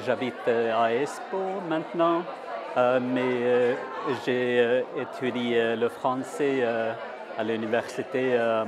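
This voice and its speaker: A man recounting a memory in a halting way, full of hesitations. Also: medium pitch. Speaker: alumnus. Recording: crowd chatter behind.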